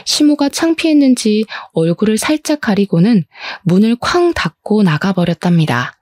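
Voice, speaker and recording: A woman reads out a first-person story, her narration confiding and full of feeling. Her voice is mellow and dark-toned at an average pitch. The sound is close and dry. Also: very animated, moderate pace, no echo. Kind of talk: scripted narration.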